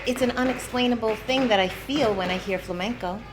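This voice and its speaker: A woman's voice: fairly high pitch, fairly quick, rough recording. A woman flamenco dancer speaking earnestly and emotionally in an interview. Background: flamenco music.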